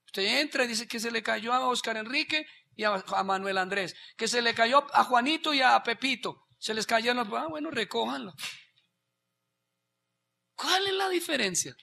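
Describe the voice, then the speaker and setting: A man pastor, preaching a sermon with animated bursts of shouting and quiet asides. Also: very high-pitched, normal speed, vocal fry, few pauses, a little hiss or hum.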